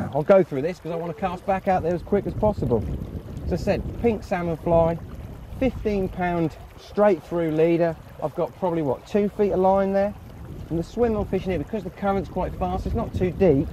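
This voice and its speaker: The man's high-pitched voice sounds dry with no echo, against noticeable background noise. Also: ordinary pitch variation, moderate pace. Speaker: guide. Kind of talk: tutorial. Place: waterside.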